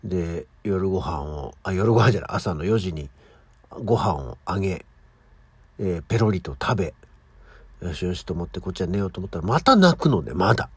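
Lively, husky-voiced middle-aged man hosting solo. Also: brisk, no echo. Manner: high-energy, animated, chatty storytelling. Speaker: podcast host. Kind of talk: casual solo morning talk.

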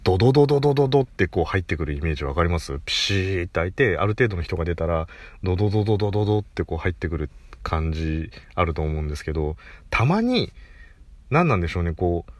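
Host, male, very low voice with wide swings in pitch, casual solo chat, self-amused, dry close recording. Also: quick pace, dry recording. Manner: animated, chatty, laughs at himself. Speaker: podcast host.

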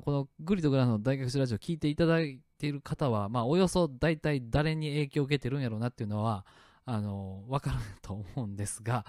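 A man hosting his own show, chatting in a relaxed way about the sound effects he made. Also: mid-range voice, dry recording, studio quality. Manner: relaxed and chatty, many fillers, starts and stops clips. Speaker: podcast host. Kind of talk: casual solo talk explaining his sound effects. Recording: faint music clips playing behind.

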